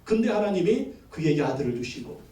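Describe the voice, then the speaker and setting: A male pastor preaches with emphasis, stacking repeated phrases and calling for responses. His voice sits high for a man. It carries through a roomy church sanctuary and is picked up from some way off. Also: very animated, quick pace, dark tone. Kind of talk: sermon. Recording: echoey church from a distance.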